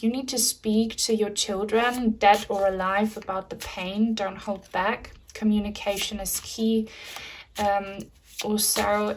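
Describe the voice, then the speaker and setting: A woman's voice: medium pitch, slight background noise, low-quality recording. A woman whose first language is German, giving a casual pick-a-card tarot reading to her viewers with lots of fillers and asides. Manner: chatty, many fillers, addresses viewers as guys. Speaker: tarot reader.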